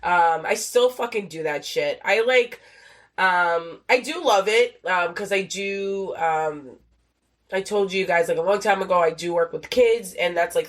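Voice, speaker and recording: Young woman host, loose rambling podcast chat, swears freely, stuffy nasal voice from a cold. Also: mid-range voice. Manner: rambling, swears a lot, many fillers. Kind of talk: casual solo podcast chat.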